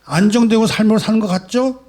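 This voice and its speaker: A male pastor preaching a sermon, asking rhetorical questions and swinging between soft and loud emphasis. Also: high voice, brisk. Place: church sanctuary.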